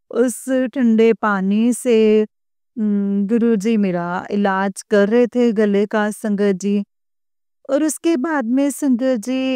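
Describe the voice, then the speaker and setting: Slow, heartfelt woman. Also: a little high, a little mellow, clean tone, no room sound. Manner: earnest, repeatedly addresses listeners as congregation; emotional, heartfelt. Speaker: devotee sharing an experience. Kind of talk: devotional testimony to listeners.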